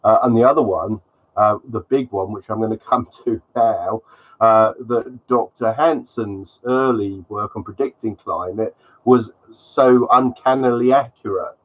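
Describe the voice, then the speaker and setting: A man's voice: fairly low pitch, a little slow, narrow, tinny audio. A man with a cold, sounding sniffly, hosting a live stream and talking through slides in a rambling way with many ums. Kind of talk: casual live commentary on slides.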